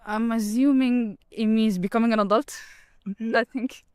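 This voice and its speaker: A woman in her twenties, a university student, answering in a hesitant, soft-spoken way. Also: fairly high pitch, steady tone, measured pace, clean tone, no echo, clean studio sound. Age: 20s.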